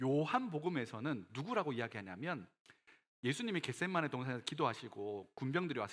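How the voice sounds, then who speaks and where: A man speaks with a Gyeongsang accent in a bright, sharp tone. His pace is fairly quick, with very wide pitch swings. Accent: Gyeongsang regional. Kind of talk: preacher, sermon.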